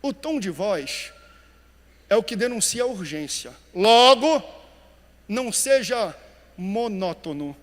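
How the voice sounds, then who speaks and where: A male pastor preaching a sermon with animated emphasis, dropping quiet and then rising loud. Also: high voice, slow, pauses often, big-room sound.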